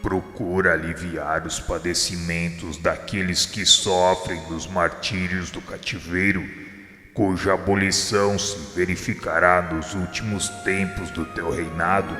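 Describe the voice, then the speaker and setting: A man voicing Jesus as a grave divine figure in a radio drama, speaking with a Brazilian Portuguese accent in measured, solemn pronouncements. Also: low-pitched, level tone. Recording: heavy reverb with soft music behind.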